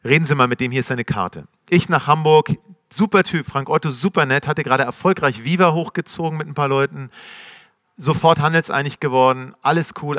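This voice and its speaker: A middle-aged man telling his founder story to a live audience in a casual, slangy, animated way, acting out the voices of the people he quotes. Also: medium pitch, no room sound, clean studio sound. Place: stage before a live audience.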